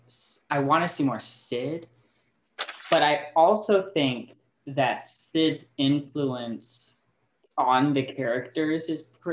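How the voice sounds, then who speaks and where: A man in a table read discussion, thinking out loud in a halting, hedging way. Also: medium pitch. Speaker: cast member. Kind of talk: casual discussion. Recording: echoey room.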